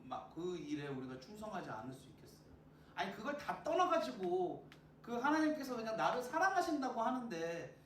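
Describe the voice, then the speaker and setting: Lively, high-pitched man preaching in an echoey church. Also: slight background noise. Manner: lively, asks the listeners questions, acts out voices. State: sore throat. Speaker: youth pastor. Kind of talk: sermon to students. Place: church sanctuary. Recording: echoey church, mic at a distance.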